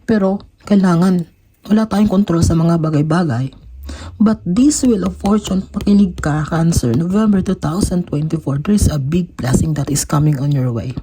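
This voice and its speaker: A man's voice: on the high side, normal speed, mellow, slight background noise. A young man with a Filipino accent giving an emotional tarot reading, switching between Tagalog and English. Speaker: tarot reader.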